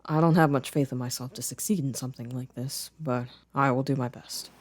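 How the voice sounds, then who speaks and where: A gentle young boyfriend played by a man in an ASMR roleplay, with a medium-pitched voice. He speaks softly and a little hesitantly, choosing his words carefully, shy and caring. The recording is very dry and intimate. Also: steady tone, fairly quick, no room sound, natural voice. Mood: shy, fond. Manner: soft, hesitant, careful formal phrasing.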